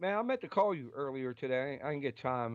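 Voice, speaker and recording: A man speaks in an animated tone. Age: 50s. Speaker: bass fishing show co-host. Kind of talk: casual chat. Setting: live stream.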